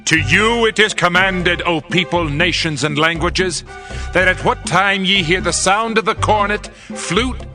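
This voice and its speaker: A man playing a royal herald who loudly proclaims a decree to the masses in a dramatized scripture production. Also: high voice, unhurried, over music. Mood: commanding, proclaiming. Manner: loud, declamatory proclaiming.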